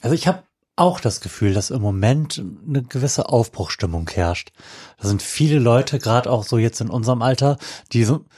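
Male podcast host, medium pitch, wry and wordy in casual chat. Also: animated, normal speed, darkish tone, breathy edge. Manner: wordy, ironically elaborate phrasing.

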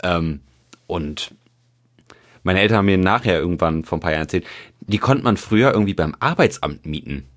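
Low-voiced man, hesitant and wry. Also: animated, brisk. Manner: hesitant, many fillers, wry. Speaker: podcast guest. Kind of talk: casual chat.

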